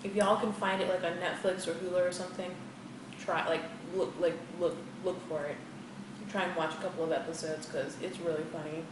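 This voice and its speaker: A woman's voice: fairly low pitch, steady tone, brisk. An American woman chatting casually to viewers while chewing, in a rambling, hesitant way. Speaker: vlogger hosting an eat-with-me video. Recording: very echoey room, distant mic, faint noise.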